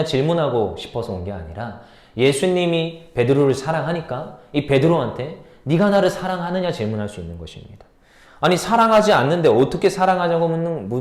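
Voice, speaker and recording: Man, pastor, sermon, asks the congregation questions, animated intonation, roomy echo. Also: medium pitch. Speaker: junior pastor.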